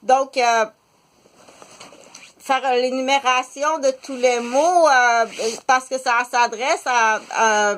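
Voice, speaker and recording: A woman in her fifties with a Québécois French accent, talking slowly in a halting monologue full of filler pauses. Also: sits high, fairly bright tone, slight background noise. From Quebec. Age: 50s. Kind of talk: casual spoken monologue.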